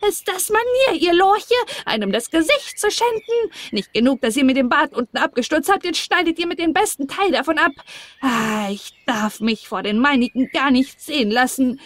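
A woman's voice: high voice, lively intonation, moderate pace, no echo, pitched above the performer's own voice. Woman putting on a screeching old dwarf. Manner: scolding, snarling. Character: shrill, quarrelsome, ungrateful old male dwarf.

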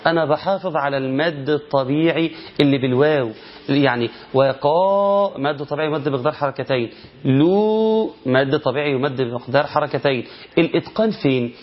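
A man with an Egyptian accent teaching Quran recitation, asking rhetorical questions and chanting drawn-out verses to show the rules. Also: on the high side. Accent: Egyptian Arabic. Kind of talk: recitation lesson. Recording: lo-fi muffled recording.

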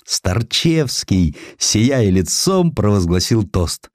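A man narrating a historical tale from a script in an expressive, theatrical storytelling manner. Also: on the low side, slow, dry recording. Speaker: audiobook narrator.

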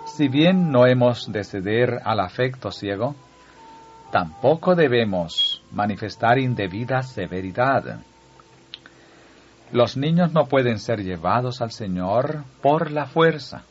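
A man reading a devotional text aloud at a slow, measured pace, letting phrase ends fall. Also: mid-range voice. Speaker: audiobook reader. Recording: dull lo-fi audio with faint music.

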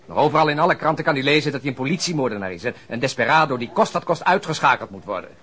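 A man's voice: medium pitch, lively intonation, racing, a bit bright, slightly rough. A man playing a police detective with a conscience in a radio play, ironic and impassioned in his way of talking. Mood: indignant. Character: indignant, compassionate, cynical-humoured male police detective with a conscience.

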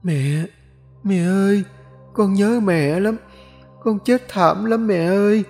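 A man's voice: sits high, slow, a little mellow, soft background music, voice pushed up. A man voicing the ghost of a wronged young woman, wailing and pleading in a storybook tale.

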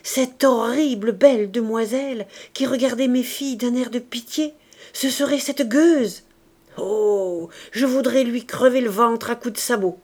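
A woman doing a shrill, hateful old shrew. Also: measured pace. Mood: venomous. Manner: shrill, shouting, venomous. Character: coarse, furious poor older woman, jealous and hateful.

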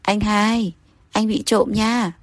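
A woman's voice: mid-range voice, flat delivery, slow, no echo, close to an everyday voice. A cheeky, chatty young man pipes up and greets people eagerly, as a woman reading an audio story gives him her own voice. The sound is close and dry.

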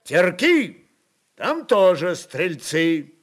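A man voicing a serious, level-headed Cossack captain who reasons with a crowd in a deliberate, commanding way. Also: high voice, big pitch swings, a bit bright, pitched above the performer's own voice, exaggerated voice. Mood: sober, reasoning. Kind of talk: dramatic audiobook-style character reading.

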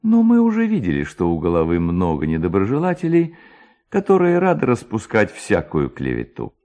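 Guy with a lowish voice doing dramatic literary narration, really swooping intonation. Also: normal speed. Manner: expressive, dramatic storytelling.

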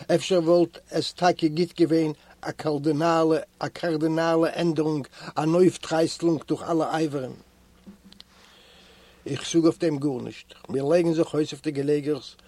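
A man reads a literary audiobook in a measured first-person storytelling voice. His tone is fairly high for a man and mellow. The recording is dry and close, made in a quiet library room. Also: no echo. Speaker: audiobook reader.

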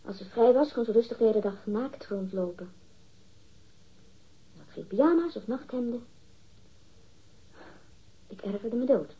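Prickly gossipy woman being questioned, husky voice, kinda muffled old radio play sound. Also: fairly high pitch, expressive, a little slow, pauses often, heavily acted. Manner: disdainful, prickly, emphatic. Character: catty, defensive woman witness gossiping about her former roommate. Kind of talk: acted radio drama dialogue. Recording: dull, muffled lo-fi radio recording.

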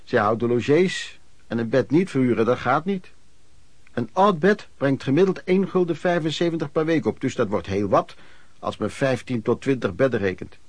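Radio play narrator: wry travelling hawker, plain-spoken, mid-range voice, dry sound. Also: male voice, medium pitch, darkish tone, husky, no room sound. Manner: colloquial, matter-of-fact storytelling. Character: plain-spoken male pedlar recounting his wanderings, wry. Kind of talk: dramatised first-person narration.

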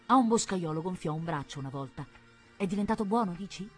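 A woman's voice: lowish voice, quick pace, soft background music, natural voice. A woman reader voicing an old village nurse who fusses, scolds and chatters. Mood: chatty. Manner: fussing, scolding, lively.

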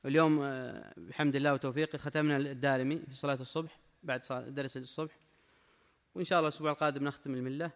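Fast-talking sheikh in an echoing hall. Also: male voice, medium pitch, steady tone. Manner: emphatic, with repeated short phrases. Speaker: religious teacher. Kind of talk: mosque lesson reading and explaining a text. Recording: long reverb of a large hall.

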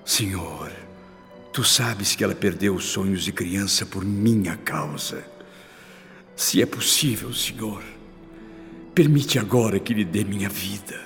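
A man's voice: on the low side, creaky, exaggerated voice. A man playing an emotional, devout father who speaks tenderly and fervently in a radio drama. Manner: pleading, fervent prayer-like delivery. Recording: long reverb, music behind.

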